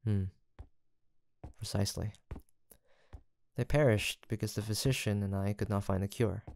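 Low-voiced, gentle fantasy apothecary, acted by a man. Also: fairly even intonation, normal speed, vocal fry, a little hiss or hum. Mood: solemn, determined. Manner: formal, courteous, hesitant, soft-spoken. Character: gentle, earnest, guilt-haunted male apothecary in fantasy village. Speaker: voice actor in an audio roleplay. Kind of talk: soft, sweet roleplay acting addressed to the listener.

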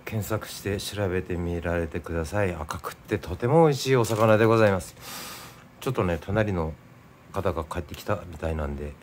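A middle-aged man with a Nagasaki accent talks in an easygoing, chatty way over food and drink at home. His voice sits fairly low, and a faint hum of room sound stays behind it. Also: lively intonation, fairly quick. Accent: Nagasaki dialect. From Nagasaki, Japan. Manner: easygoing, chatty, explains local words. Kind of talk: casual chat while eating and drinking.

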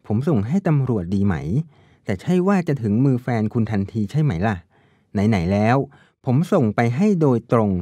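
A man voicing a young man who talks his way out of trouble in a calm, offhand, measured way. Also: medium pitch, no echo. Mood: smooth. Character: young man, smooth glib liar.

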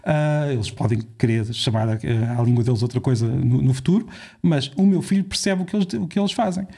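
A man's voice: mid-range voice, brisk, creaky, mellow, husky. A man with a European Portuguese accent, a podcast guest explaining in casual talk and asking rhetorical questions.

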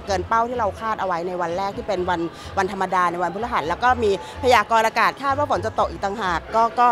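A woman's voice: medium pitch, over music. A middle-aged woman event organizer answering interview questions matter-of-factly, often restarting her words, into press mics in an indoor hall. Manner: fast, matter-of-fact, with repeated restarts. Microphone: several handheld press mics.

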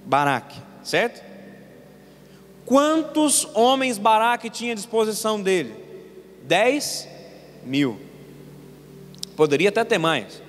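High-voiced young pastor preaching in church. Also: male voice, very animated, takes it slowly, long pauses, a bit bright, slight background noise. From Paraná, Brazil. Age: 20s. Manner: storytelling with rhetorical questions to the congregation. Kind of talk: sermon. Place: church sanctuary. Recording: long church reverb, faint room ambience.

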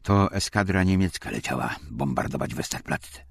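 A man with a gravelly, husky voice reading a wartime memoir as dramatic scripted narration. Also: sits low, lively intonation, normal speed, a little hiss or hum. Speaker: audiobook narrator.

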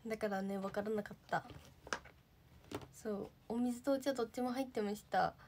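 A woman's voice: medium pitch, normal speed, darkish tone, slight background noise. A young woman from Japan, a livestreaming idol, chatting casually and thanking viewers as she reads their comments.

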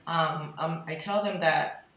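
A woman talking candidly on a podcast about her wedding photography work, animated, with lots of fillers and the odd swear word. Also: deep voice, slow, echoey room, a little hiss or hum, rough recording. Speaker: wedding photographer and filmmaker guest. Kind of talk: casual podcast chat.

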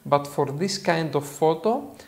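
Young Greek-accented male tutor, earnest and methodical, talks through each step with short pauses. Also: a little high, gravelly. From Greece. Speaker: photo editing tutor. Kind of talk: software tutorial narration. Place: dark studio indoors.

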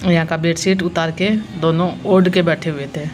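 A woman's voice: lowish voice, steady tone, moderate pace, a little mellow, slight background noise. A woman in her thirties from India, chatting through a casual voice-over of her family's daily routine and explaining each clip. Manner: chatty, explains what is on screen step by step. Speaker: family vlogger and mother.

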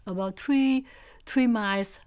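A woman in her sixties from South Vietnam with a Vietnamese accent, recalling family history in an interview, halting as she searches for words. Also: medium pitch, darkish tone. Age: 60s. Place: indoor studio with backdrop.

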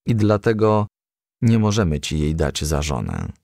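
A man plays a cautious, solemn storybook firefly father. He speaks gravely and with hesitation, in a low, creaky voice. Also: very animated, a little slow, darkish tone, no room sound, clean studio sound, full character voice. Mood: solemn, regretful.

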